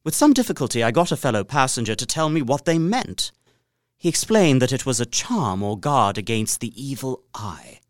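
A man's voice: mid-range voice, no echo, natural voice. Gothic audio drama: earnest male traveller played by a man, uneasy, literary, widely swooping intonation, dry close studio sound. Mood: intent, wondering. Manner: literary, deliberate, expressive storytelling. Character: earnest, uneasy gentleman traveller recounting his journal. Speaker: actor narrating a journal.

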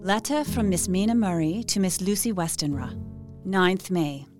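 A woman's voice: fairly low pitch, expressive, moderate pace, loud music behind the voice, natural voice. An actress playing an affectionate young schoolmistress, reading out her letter formally in an audio drama. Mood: fond, wistful.

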